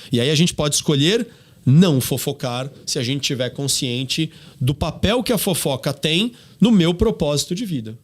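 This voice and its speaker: A man with a Brazilian Portuguese accent, speaking emphatically as a guest on a podcast and asking rhetorical questions. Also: medium pitch. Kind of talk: podcast discussion.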